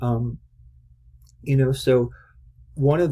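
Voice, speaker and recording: A man with an American accent. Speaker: speech-language pathologist and lecturer. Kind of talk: lecture. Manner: stutters at times.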